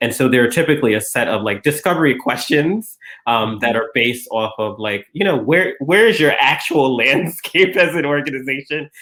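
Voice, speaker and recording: A man with a strong Brooklyn accent, a fairly high pitch and a bright, sharp tone, at a moderate pace with hardly any pauses. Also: lively intonation. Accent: thick Brooklyn. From Brooklyn, New York. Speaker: diversity and inclusion leader, panelist. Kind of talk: panel discussion.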